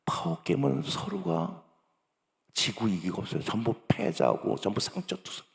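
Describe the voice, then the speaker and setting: A male pastor preaching, acting out parents and children in lively bursts. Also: normal speed, creaky. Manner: acts out parent and child dialogue with sudden high-pitched bursts. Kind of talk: sermon. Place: church sanctuary. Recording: long church hall reverb.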